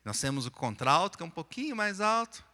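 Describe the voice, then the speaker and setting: A man's voice: medium pitch, big pitch swings, fast talker, bright, forceful tone. A man with a Brazilian Portuguese accent, a pastor preaching a sermon in a church, explaining scripture in a conversational way. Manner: sings and chants psalm verses, then explains them plainly. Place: church sanctuary. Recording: echoey church hall.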